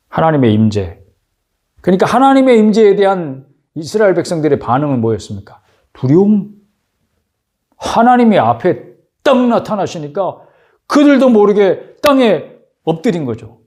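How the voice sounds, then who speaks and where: A man's voice: on the high side, darkish tone. A man preaching a sermon as pastor, exhorting his congregation with rhetorical questions.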